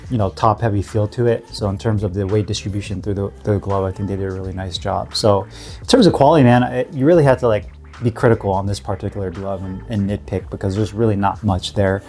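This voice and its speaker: A man with a cold, sniffling a bit, reviewing gear in a relaxed, rambling way full of fillers and restarts. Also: fairly low pitch, fairly quick, faint music behind. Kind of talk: casual product review.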